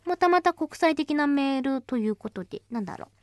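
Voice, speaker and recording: A woman's voice: high-pitched, animated, a little fast, darkish tone, dry recording. A woman hosting a casual radio show, reading listener letters aloud in a bubbly, chatty way and laughing often.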